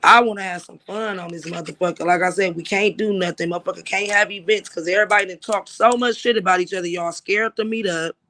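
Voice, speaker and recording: High-voiced man ranting on a livestream. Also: fairly even intonation, fast, few pauses, bright, forceful tone. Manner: emphatic, profane, repeats "like I said". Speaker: livestream host. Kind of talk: casual livestream talk.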